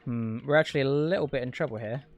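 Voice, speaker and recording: A man's voice: medium pitch, fast. A man giving casual livestream speedrun commentary in a dry, rambling, sweary way. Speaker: video game speedrunner and streamer. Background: game music.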